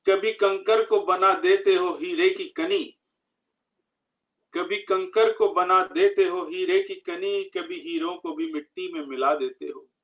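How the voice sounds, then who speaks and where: High-voiced man slowly reciting poetry. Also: steady tone, fairly bright tone, poor audio. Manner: measured, repeats each line. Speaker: poetry reciter at a literary gathering. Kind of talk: slow Urdu ghazal recitation.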